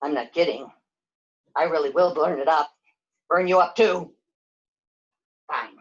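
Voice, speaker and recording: A woman voicing a grumpy, imperious old male dragon in a puppet show, with slow, drawn-out proclamations. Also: low voice, pitched below the performer's own voice. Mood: imperious, threatening. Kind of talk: puppet show character acting. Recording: dull, lo-fi sound.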